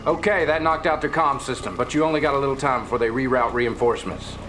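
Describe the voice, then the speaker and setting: An actor playing a businesslike military officer in a game briefing, urgent, colloquial and no-nonsense. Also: male voice, medium pitch, fast talker, natural voice. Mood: brisk urgency. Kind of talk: acted video game cutscene briefing. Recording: music behind the voice.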